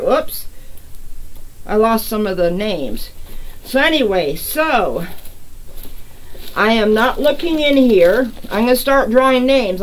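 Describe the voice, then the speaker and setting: Slow-talking chatty woman, high voice. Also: poor audio. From United States. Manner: chatty and friendly, greets viewers by name. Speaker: resin artist and channel host. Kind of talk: casual live giveaway chat.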